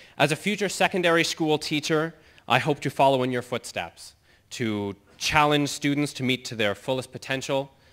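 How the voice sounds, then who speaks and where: In a very clean recording with a silent background, a man with a Canadian accent and a plain, everyday voice talks at a moderate pace in a fairly high pitch with ordinary pitch variation. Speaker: student. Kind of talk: conference speech. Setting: stage with audience.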